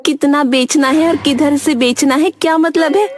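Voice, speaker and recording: A woman doing a high, nagging cartoon wife. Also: fairly even intonation, moderate pace, natural voice. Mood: scolding. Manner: scolding and sharp-tongued. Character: nagging, fed-up village wife. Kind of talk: cartoon dubbing. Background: background music.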